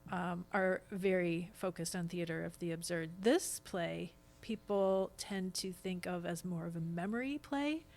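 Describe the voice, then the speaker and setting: A woman's voice: on the low side, a little slow, creaky, hardly any pauses, darkish tone. An American woman in her fifties talking casually as a podcast guest, explaining things with examples. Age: 50s.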